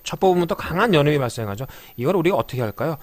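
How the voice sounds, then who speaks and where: A male language teacher with a lively, swinging pitch, speaking in a dry, close setting. He explains patiently and slowly repeats phrases to show where the stress falls, dotting his talk with short fillers. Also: no room sound. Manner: frequent filler affirmations. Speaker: English pronunciation teacher. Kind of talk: spoken language lecture.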